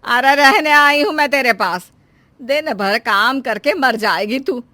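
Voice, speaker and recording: A woman voicing a sharp-tongued, meddling middle-aged mother in a cartoon family story, loud and taunting. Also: high voice, measured pace, no room sound.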